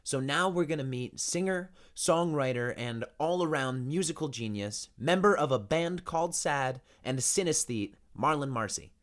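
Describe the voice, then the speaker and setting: A man's voice: fairly high pitch, lively intonation, normal speed, hardly any pauses, a bit bright. A man hosting a podcast, moving between upbeat scripted narration and casual interview questions. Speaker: podcast host.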